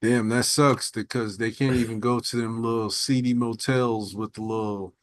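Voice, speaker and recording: A man's voice: medium pitch, steady tone, normal speed, dry recording. A man co-hosting a podcast, musing in hesitant, rambling casual chat. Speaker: podcast co-host.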